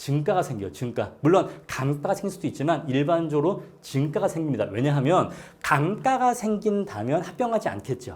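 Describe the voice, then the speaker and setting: With an animated tone and very wide pitch swings, a man talks at a fairly quick pace in a high pitch. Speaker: exam prep lecturer. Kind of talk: lecture.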